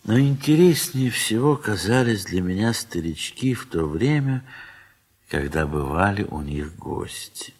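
An actor as a reflective, affectionate literary narrator in an audio drama. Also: male voice, on the low side, lively intonation, measured pace, a little mellow, breathy edge. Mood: fond, reflective. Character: reflective, affectionate male literary narrator recalling old friends.

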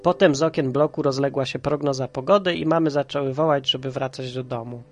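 A man from Kraków with a head cold, reading a children's story aloud in a lively, playful way. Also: medium pitch, fairly quick, faint music behind. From Kraków, Poland. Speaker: storyteller and podcast host.

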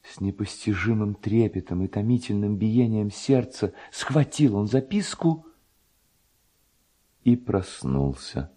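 A man narrating a literary tale in an expressive, poetic, dramatic storytelling style. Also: lowish voice, slow pace.

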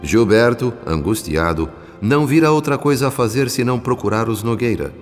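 A man narrating a radio drama from a script, solemn, measured and literary. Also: medium pitch, lively intonation. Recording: long reverb, music behind.

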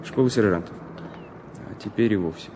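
An actor playing an earnest, troubled young student who speaks haltingly and seriously in an audio drama. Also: male voice, on the low side, noisy background, lightly acted. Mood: bitter, reserved. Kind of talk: Russian audio drama acting.

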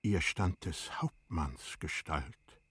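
Male narrator for literary radio drama. Low, very breathy husky voice, unhurried, measured, recorded dry and close. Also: animated, a bit bright, dry recording.

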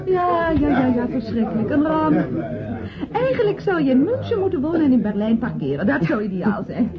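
A woman's voice: high-pitched, very animated, normal speed. Radio drama: chatty, affected rich woman, emphatic, dull recording amid party chatter. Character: affected, well-off society woman, defensive and chatty. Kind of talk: Dutch radio play dialogue.

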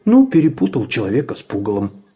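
A naive young fox cub in a storybook sulks and pleads in a slightly raised voice, voiced by a man. His speech is husky and dark-toned. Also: fairly high pitch, big pitch swings, normal speed, voice pushed up, full character voice. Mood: sulky. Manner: sulky and plaintive.

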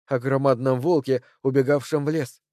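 A man's voice: medium pitch, fairly even intonation, moderate pace, darkish tone, no echo, clean studio sound, natural voice. A man reading a poised young woman. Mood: composed. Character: composed young woman visitor, poised and clever. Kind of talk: audiobook character voice.

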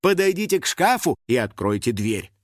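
A man's voice: mid-range voice, sing-song, normal speed, no room sound, studio quality. A man doing a bossy bubbly girl video star. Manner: bossy, peppy presenter tone. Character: confident bubbly young girl internet star.

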